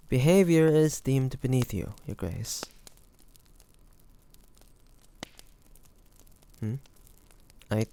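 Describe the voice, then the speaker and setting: A man playing a flirty, teasing bodyguard to a noble in an intimate fantasy audio roleplay, with playful, halting delivery. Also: mid-range voice, vocal fry, warm tone. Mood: teasing, suggestive. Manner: playful, teasing, halting pauses, often chuckling.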